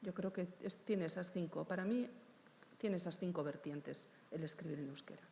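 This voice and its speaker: Woman poet, panelist; low voice, measured, hesitant delivery; hall reverb. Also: mellow, slight background noise. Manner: measured, hesitant with many fillers. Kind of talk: panel discussion. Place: large hall with long reverb.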